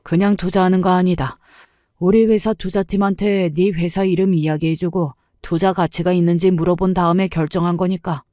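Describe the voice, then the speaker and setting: A blunt, protective old man barks out short, plain orders in a mellow, low-key tone, as a woman puts him on. The dry recording has no room around it, fitting a storybook reading. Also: level tone, moderate pace, no echo, lightly acted. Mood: stern. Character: gruff elderly male neighbor, blunt and protective.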